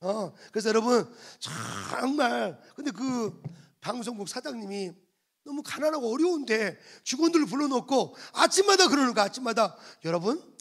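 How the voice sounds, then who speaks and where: Male pastor with a raspy voice, preaching to his church; keeps prodding the congregation for amens. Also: extremely high pitch, very animated, normal speed, fairly bright tone. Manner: emphatic, repetitive prodding of the congregation. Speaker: senior pastor. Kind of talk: sermon. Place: church sanctuary.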